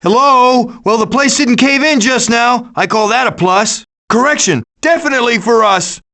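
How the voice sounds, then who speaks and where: A man voicing a glib, sarcastic, scheming raccoon who leads a gang of food thieves in an animated video game. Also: extremely high pitch, moderate pace, full character voice. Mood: sarcastic, casual. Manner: glib, sarcastic, cocky quipping.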